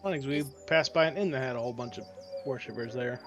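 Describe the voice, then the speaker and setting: A man's voice: mid-range voice, fast, highs cut off, music in the background. A man playing a tabletop game in casual chat, joking and wisecracking. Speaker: player.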